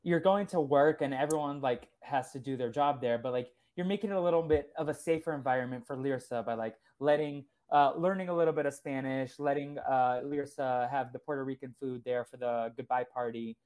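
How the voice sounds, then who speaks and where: A man's voice: medium pitch, brisk, hardly any pauses, a little mellow. A young man hosting a podcast interview, enthusiastic and chatty, filling with "like" and "uh", Portuguese his first language. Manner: enthusiastic, lots of fillers like "like" and "uh". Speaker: podcast host. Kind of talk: casual interview chat.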